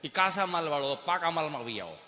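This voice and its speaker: This comedian's voice is a little high and fairly quick, with a long reverb tail behind it. On stage he spins comic Gujarati folk stories, animatedly playing the mothers, children and doctors who appear in them.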